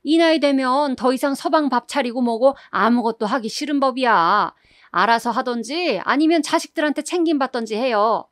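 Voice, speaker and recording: A woman voicing a grumpy, sharp-tongued older mother-in-law who scolds and complains, raised a little above her narrating voice, in a storybook radio drama. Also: high-pitched, normal speed, no room sound, studio quality, voice pushed up, close to an everyday voice. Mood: grumbling.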